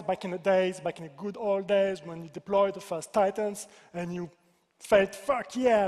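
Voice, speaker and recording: A man's voice: high voice, a little mellow. A man with a French accent giving a conference presentation as a game designer, playful and self-deprecating, with joking asides. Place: large convention hall. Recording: reverberant hall.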